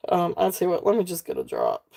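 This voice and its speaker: A middle-aged woman with a Southern US accent hosting a live jewelry sale, chatty and folksy, with frequent ums and soft laughs. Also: on the low side, wildly swooping pitch, fast, gravelly. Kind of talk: casual live-stream selling.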